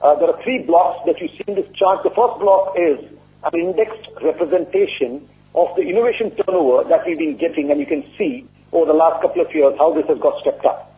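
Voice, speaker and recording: Muffled, mellow-voiced man presenting company results. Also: on the high side, a little fast. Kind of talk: formal corporate earnings presentation. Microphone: conference call line. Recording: muffled lo-fi conference call audio.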